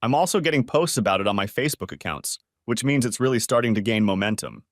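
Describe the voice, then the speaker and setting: A man voicing a confident young woman who plans a scheme, in a brisk, matter-of-fact way. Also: medium pitch, dry recording, studio quality, lightly acted.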